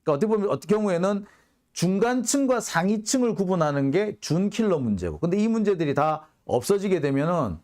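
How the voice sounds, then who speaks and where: A man's voice: sits high, very animated, brisk, darkish tone. A man hosting a political commentary monologue, heated and sarcastic, firing off rhetorical questions.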